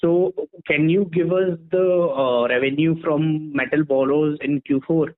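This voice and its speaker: A man with an Indian accent asking questions as an analyst on an earnings call, polite and somewhat halting. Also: on the high side, steady tone. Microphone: phone. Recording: tinny narrow-band phone line.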